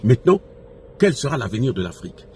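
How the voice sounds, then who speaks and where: Male political commentator, mid-pitched voice, emphatic and repetitive, impassioned unscripted delivery, noisy background. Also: big pitch swings, fast talker, darkish tone. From Africa. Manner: emphatic, repeats phrases, rhetorical questions. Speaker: political commentator addressing followers. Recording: noisy recording with background ambience.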